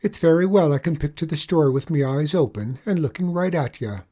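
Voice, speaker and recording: A storyteller voicing a soft-hearted, weepy male tradesman with an Irish accent, easily moved to sobbing. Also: medium pitch, brisk, voice pushed up, lightly acted. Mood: sympathetic.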